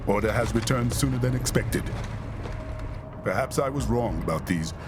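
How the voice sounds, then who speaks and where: An actor playing a calm, formal middle-aged prime minister in a game cutscene. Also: male voice, mid-range voice, noisy background, natural voice. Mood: measured. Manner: measured, formal, statesmanlike. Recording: game cutscene with loud music behind.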